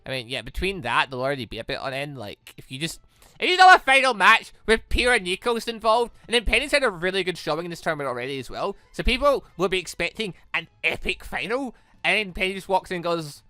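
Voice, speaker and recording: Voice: medium pitch, big pitch swings, fast, sharp tone, no echo. A let's play host casually commenting on a visual novel and reading its dialogue aloud, rambling and repeating words as they react. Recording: game music behind the voice. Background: background music from the game.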